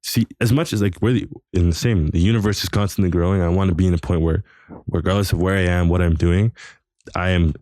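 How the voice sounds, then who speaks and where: Young man, very low voice, rambling slangy podcast talk, dry close sound. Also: steady tone, fast talker, mellow, dry recording. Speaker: podcast host. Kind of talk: casual chat.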